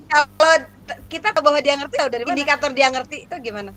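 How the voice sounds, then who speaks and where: High-voiced lively woman lecturer. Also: racing. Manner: lively, questioning the audience, playful. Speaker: lecturer for teacher exam prep. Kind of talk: interactive workshop lecture.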